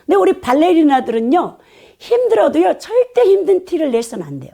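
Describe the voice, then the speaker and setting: A woman pastor preaching a sermon, telling stories animatedly and checking in with the congregation through quick "eh?" asides. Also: very high voice, huge pitch swings, gravelly, warm tone.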